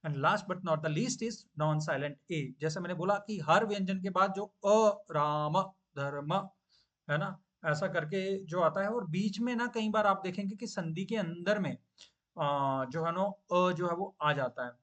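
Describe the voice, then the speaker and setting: A man teaching scripture in a class, explaining patiently, with frequent drawn-out hesitation sounds and English phrases mixed in. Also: high-pitched, fairly bright tone. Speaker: Gita teacher. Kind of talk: online class lesson.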